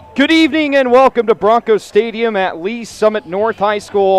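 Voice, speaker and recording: Clear background noise runs behind a man whose intonation is lively. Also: dry, close sound with no echo. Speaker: high school football play-by-play broadcaster. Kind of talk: live sports play-by-play commentary.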